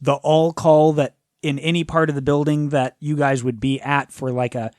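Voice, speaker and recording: A man's voice: on the high side, little pitch movement, moderate pace, darkish tone, no echo, studio quality. A man improvising casual tabletop game narration as game master, informal and given to swearing.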